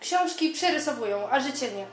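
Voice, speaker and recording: Actress as young army girl recruit, really high voice, brisk obedient answers, deadpan, radio play in a roomy space. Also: soft background music. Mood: eager, deadpan. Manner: brisk, obedient military replies. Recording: roomy home recording.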